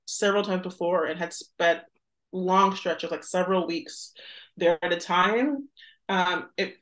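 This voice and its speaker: A woman's voice: on the low side, a little slow, a bit bright. A young American woman in her twenties chats as a guest on a podcast. Her delivery is conversational and reflective, with "like" sprinkled through her thoughts as she works them out. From United States. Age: 20s. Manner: reflective, frequent "like" as filler. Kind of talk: casual conversational interview.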